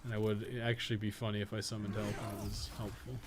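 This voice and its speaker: A man giving casual live game-stream commentary, swearing freely and talking to viewers in a halting, colloquial, thinking-aloud way. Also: lowish voice, level tone. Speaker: game streamer and guide maker. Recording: clear background noise and ambience.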